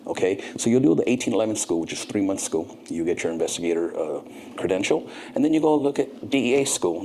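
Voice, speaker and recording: Deep-voiced man telling his story. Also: slight background noise. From Southern California. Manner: earnest, animated storyteller. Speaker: guest. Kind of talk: casual interview storytelling.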